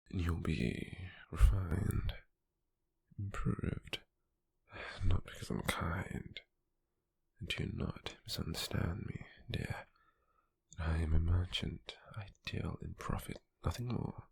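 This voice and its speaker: A man performs a very low British voice for a smug, possessive merchant in an ASMR roleplay. It is thick with gravelly creak and often slips into a breathy whisper. He is controlling and calculating, lingering on his pauses. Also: dry recording, heavily acted. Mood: stern, controlling. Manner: slow, deliberate, with lingering pauses.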